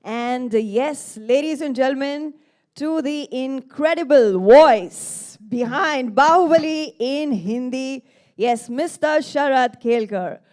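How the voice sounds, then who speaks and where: A woman with a fairly high, mellow voice hosts a press event on stage. She introduces and thanks guests formally and effusively, always politely. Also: slow. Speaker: event host. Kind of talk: formal compering.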